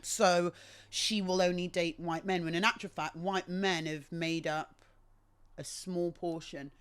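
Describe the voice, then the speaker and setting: This is a lower-voiced woman from England who speaks with a British accent. She is a guest in a relaxed conversation and tells her stories articulately and with plenty of expression. Her delivery is animated and engaged. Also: unhurried, clear, resonant tone. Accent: British English. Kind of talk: casual conversation.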